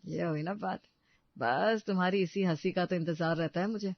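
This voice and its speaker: A man's voice: high voice, moderate pace, creaky, no room sound. A man voicing a young, patient husband who soothes and jokes with his wife. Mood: teasing. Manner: soothing, joking. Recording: dull, dry sound.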